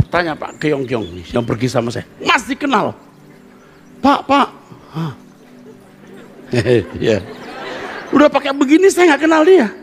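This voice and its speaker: An older man preaching a sermon to a congregation, animated and joking as he acts out little quotes. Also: high-pitched, slight background noise. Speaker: pastor. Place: church service.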